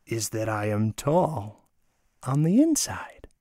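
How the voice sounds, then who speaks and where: A man voicing a small, romantic, earnest mother in a storybook reading, with slow, emphatic tenderness. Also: lowish voice, very animated, mellow, dry recording, pitched below the performer's own voice, heavily acted. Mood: earnest, dreamy. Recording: music under the voice.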